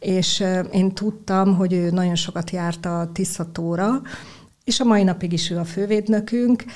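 A woman's voice at medium pitch with fairly even intonation, on a very clean recording with a silent background. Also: fairly slow pace. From Hungary, Szolnok. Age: 50s. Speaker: entrepreneur and costume business owner. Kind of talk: interview. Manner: hesitant with filler sounds.

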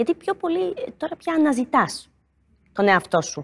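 A woman's voice swings very widely in pitch, with a dry, close sound and no echo. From Greece. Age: 30s. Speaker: panel discussion participant. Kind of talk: panel discussion.

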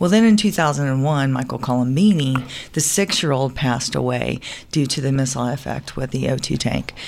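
Over noticeable background noise, a woman with a slight Southern US accent talks at a moderate pace with a very deep, low pitch and lively intonation. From Georgia, Atlanta. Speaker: MRI safety consultant. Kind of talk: casual interview.

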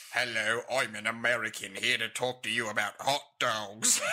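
Moderate-paced male speech in a put-on character voice of medium pitch. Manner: exaggerated, mocking.

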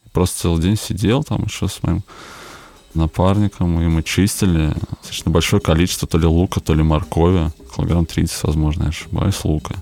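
Over noticeable background noise, a man with a very deep, low pitch talks at a fairly quick pace in a dry, close sound with no echo. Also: fairly even intonation. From Moscow, Russia. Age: 20s. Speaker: courier and fitness trainer. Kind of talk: interview storytelling. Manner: casual, with many filler words.

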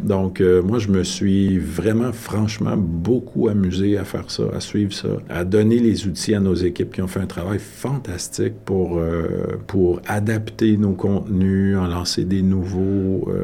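A man speaks at a very slow pace with hardly any pauses, his pitch very deep and low and his intonation fairly even. Music plays in the background, and the room echo is audible. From northeastern Ontario, Canada (near Kapuskasing). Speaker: university rector. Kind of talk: interview. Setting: studio.

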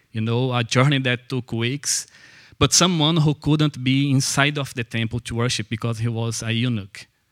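Spoken at a moderate pace with a Brazilian accent and fairly even intonation, the recording is very clean with a silent background and a dry, close sound with no echo. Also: man, medium pitch for a man. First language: Portuguese. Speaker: pastor. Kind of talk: testimony. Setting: stage with audience.

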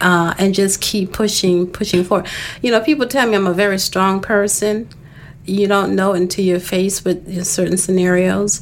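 An ordinary speaking voice belonging to a woman with an American accent runs at a moderate pace with medium pitch, fairly even intonation and very even loudness. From US South, Savannah, Georgia. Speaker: marketing firm CEO. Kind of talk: casual interview.

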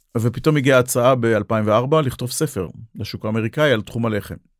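A man speaks at a moderate pace. His is a normal speaking voice. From northern Israel (Nahariya, Galilee). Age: 50s. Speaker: chef. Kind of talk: interview.

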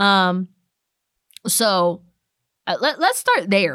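A woman at medium pitch and a very slow pace. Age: 20s. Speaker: podcast co-host. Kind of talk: casual chat. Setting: studio.

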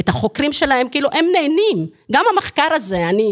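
With very wide pitch swings, a woman speaks at a moderate pace in a dry, close sound with no echo. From Ethiopia. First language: Amharic (speaking Hebrew). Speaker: activist and academic. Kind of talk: interview.

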